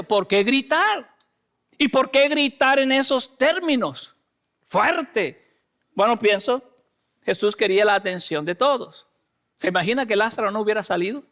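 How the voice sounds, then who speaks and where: A pastor delivers a dramatic sermon in a strikingly high, smooth and resonant voice. He swings between loud emphasis and hushed lines and acts out the voices of the people in the scripture. He drops English fillers into his speech now and then.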